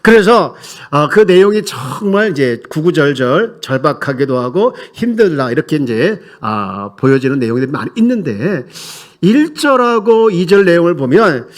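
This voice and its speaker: A man's voice: fairly high pitch, big pitch swings, normal speed. A male pastor preaching a sermon in a church sanctuary in a conversational way, leading the congregation in reading aloud together.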